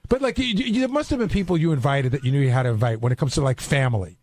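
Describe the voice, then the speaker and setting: A man's voice: medium pitch, lively intonation, rapid-fire, a little mellow. A middle-aged man in a casual panel discussion, pressing his points with blunt advice.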